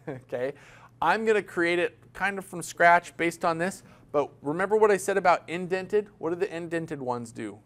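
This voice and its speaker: Guy teaching accounting in a classroom, kinda high voice, jokey, keeps asking the class stuff. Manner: chatty, jokey, asks the class questions. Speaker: accounting instructor. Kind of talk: classroom lecture.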